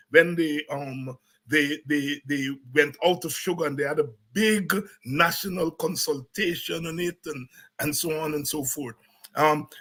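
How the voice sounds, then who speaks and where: A man's voice: a little high, fairly bright tone. A Guyanese man hosting a live show, chatting casually, greeting viewers by name and repeating his words as he rambles. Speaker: host.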